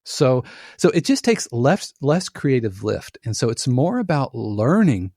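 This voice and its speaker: A man guest on a podcast, explaining his trade in casual conversation, animated and full of analogies, often restarting his sentences. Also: medium pitch, measured pace, slightly rough, dry recording, clean studio sound. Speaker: podcast guest, production music composer.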